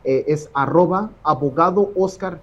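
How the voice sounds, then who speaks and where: A man's voice: a little high, measured pace, muffled recording, a little hiss or hum. A man appearing as a lawyer guest, talking in a friendly, inviting way. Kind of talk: interview guest chat.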